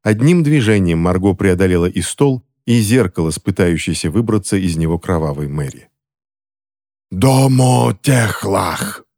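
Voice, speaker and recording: Guy reading a fantasy audiobook, lowish voice, steady dramatic narration. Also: brisk, hardly any pauses.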